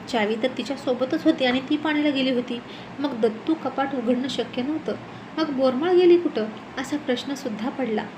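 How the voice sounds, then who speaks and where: A woman tells a scripted story with expressive, dramatic delivery. Her voice sits high, and a faint noise hangs beneath it.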